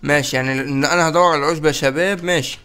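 A rapid, excitable man with an Egyptian Arabic accent narrating his game as a channel host. He hurries his words and keeps calling out to his viewers. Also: on the high side, smooth. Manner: excitable, urgent, calls out to viewers. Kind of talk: let's-play commentary.

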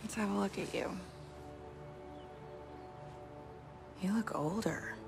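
An American actress playing a caring, protective young mother in a video game, soft and measured. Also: mid-range voice, creaky, music in the background, natural voice. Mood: tender. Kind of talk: video game cutscene acting.

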